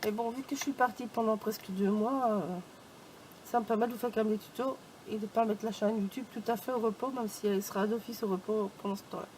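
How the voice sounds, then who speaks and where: Chatty woman with a higher voice. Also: fairly even intonation, fast talker, a little mellow, slight background noise, low-quality recording. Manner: chatty, peppered with "donc" and "hop". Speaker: craft YouTuber. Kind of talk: casual craft tutorial.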